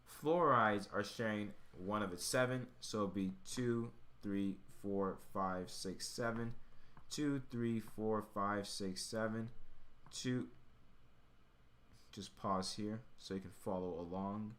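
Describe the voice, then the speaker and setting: A man with a fairly low voice works through an explanation as a tutor would. He takes it step by step in an informal way, thinking aloud as he goes. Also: slow, a bit bright. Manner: thinking aloud while working. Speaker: chemistry tutor.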